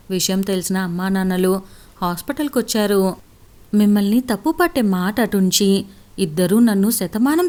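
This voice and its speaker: Woman narrating a story steadily. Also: mid-range voice. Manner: steady, reflective first-person storytelling. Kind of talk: scripted narration.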